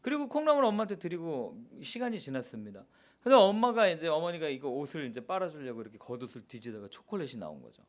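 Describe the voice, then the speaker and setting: A man's voice: on the high side, big pitch swings, fast. A male pastor giving a sermon, telling a childhood story and then rising to emphatic preaching. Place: church sanctuary.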